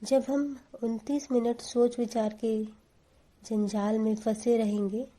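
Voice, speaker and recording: Slow, very mellow woman guiding meditation. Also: a little high. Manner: calm, soothing, deliberate. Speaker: meditation guide. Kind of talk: guided meditation instruction.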